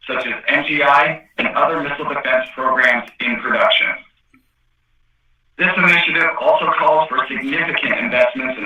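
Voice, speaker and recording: A man reading a scripted corporate presentation as an executive on an earnings call, in a formal, measured way. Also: a little high, bright, forceful tone, far from the mic. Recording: echoey, muffled conference call line.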